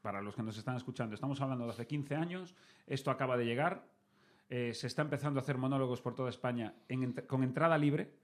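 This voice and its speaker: A man's voice: mid-range voice, quick pace. A man hosting a comedy podcast, telling stories and teasing his co-hosts in a casual chat. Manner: storytelling, teasing.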